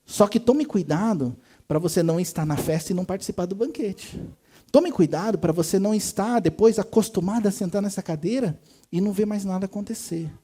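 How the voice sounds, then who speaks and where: A man's voice: high-pitched, a little fast, mellow, husky. A man preaching a sermon as a pastor. He talks in a conversational way and acts out the voices he quotes. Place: church service.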